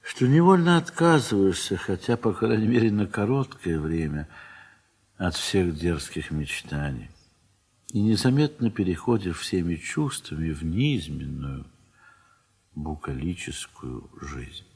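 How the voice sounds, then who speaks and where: A man narrating a radio play, reading literary prose in a measured, wistful way with soft, trailing phrase ends. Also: deep voice, sing-song, slightly rough.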